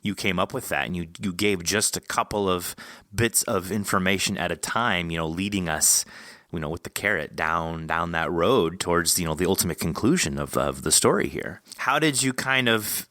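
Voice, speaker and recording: A man with a fairly low, crisp and forward voice, recorded close and dry. He hosts in a conversational style, wandering through long, wordy questions as he works out his thoughts. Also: moderate pace, sharp tone, no room sound. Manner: wordy, rambling, thinking aloud. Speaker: podcast host interviewing an author. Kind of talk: casual interview chat.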